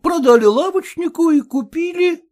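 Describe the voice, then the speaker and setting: A man's voice: extremely high pitch, lively intonation, moderate pace, darkish tone, pitched above the performer's own voice. A man voicing a drowsy, hungover young peasant who drawls lazily and yawns between words. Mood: reading haltingly.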